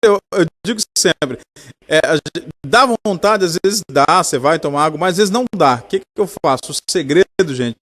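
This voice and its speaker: A man with a Brazilian Portuguese accent hosts a radio health segment. His voice sits high for a man, and he keeps the chat upbeat and friendly. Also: expressive, moderate pace, fairly bright tone, a little hiss or hum. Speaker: radio show host. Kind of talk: casual radio interview.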